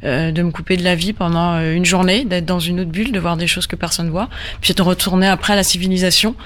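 A woman from Normandy, a photographer guest in a radio interview, who talks in a halting way with many fillers and restarts. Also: fairly low pitch, fairly even intonation. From Normandy, France.

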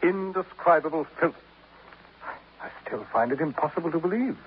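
Fussy, pompous poet; lively, ornate delivery; thin, hissy vintage radio sound. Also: male voice, a little high, normal speed, slightly rough. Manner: grandiloquent, formal, addresses others as sir. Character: pompous, florid male poet, self-admiring and fussy. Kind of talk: 1950s radio drama acting. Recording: tinny, hissy old radio broadcast.

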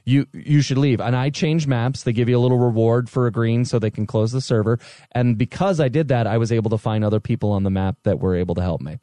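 A man co-hosting a casual podcast, telling gaming stories in an animated way with quick laughs. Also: mid-range voice, no echo. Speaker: podcast co-host. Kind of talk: casual chat about video games.

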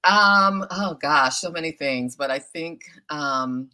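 Low, bright-voiced woman guest. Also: takes it slowly. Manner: chatty, many ums, laughs easily. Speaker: guest, actress and founder. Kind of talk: casual interview answers.

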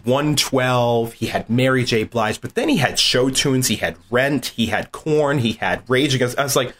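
A man from southeastern Massachusetts, a college dean and interview guest, telling animated stories, laughing often and repeating words. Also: mid-range voice, normal speed. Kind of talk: casual interview storytelling.

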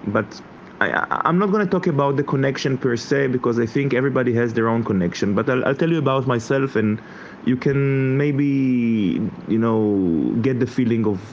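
A football fan. He hesitates and circles back as he goes, at a middling male pitch. The recording is dull, with clearly audible ambient noise around him. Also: darkish tone. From Israel, Haifa. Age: 40s. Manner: conversational, hesitant, filler-heavy. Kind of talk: casual personal talk in English. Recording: muffled, lo-fi, clearly noisy ambient sound.

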